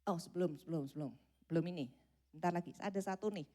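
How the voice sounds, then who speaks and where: A middle-aged woman preaching a sermon in church, lively and acting out prayers and little dialogues in changing voices. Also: on the low side, quick pace.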